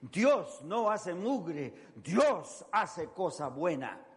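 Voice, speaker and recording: A man's voice: high voice, very animated, very slow, husky. A man preaching a sermon, telling stories with acted voices and playful asides. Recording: long reverb of a large hall.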